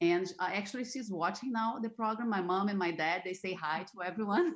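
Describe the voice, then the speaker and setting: In a Portuguese accent, a woman talks at a fairly quick pace with a medium pitch and ordinary pitch variation. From Brazil (Rio de Janeiro, Brasilia). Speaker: poet. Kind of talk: interview. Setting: video call. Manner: halting.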